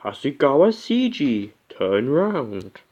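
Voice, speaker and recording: A man voicing a bossy, odd schoolgirl who gives curt, drawn-out orders in a game. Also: mid-range voice, very animated, darkish tone, voice pushed up. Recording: music behind the voice.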